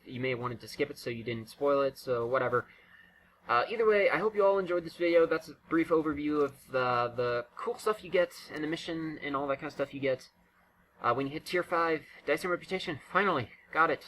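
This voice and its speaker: A man's voice: on the high side, a little fast, a bit bright, a little hiss or hum, low-quality recording. A man giving casual, unscripted game commentary in a rambling, self-interrupting way. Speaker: gaming video creator.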